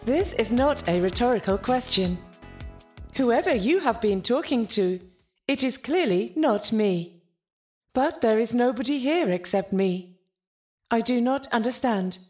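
A woman's voice: a little high, animated, a little slow, soft background music. A woman playing a prim, evasive, literal-minded ship's intelligence in a science-fiction audio drama, speaking with dry, formal politeness. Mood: dry, pedantic. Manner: formal, pedantic, dryly polite.

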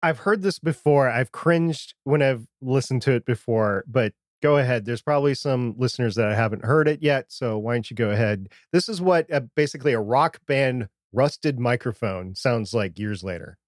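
A man with a quiet, slightly muddled voice co-hosting a podcast in casual conversation. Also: mid-range voice, moderate pace, few pauses, no room sound, studio quality. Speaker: podcast co-host. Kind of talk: casual chat about audio gear.

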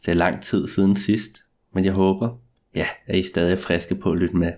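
A man's voice: low-pitched, little pitch movement, a little mellow. A man casually introducing a storytelling podcast as its host.

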